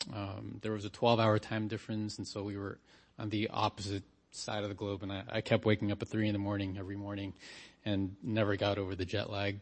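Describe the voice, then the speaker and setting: A man talks at a very fast pace in a fairly low, somewhat breathy voice. His intonation is monotone and flat. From Southeast Asia. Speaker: church member on mission trip. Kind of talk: church mission report.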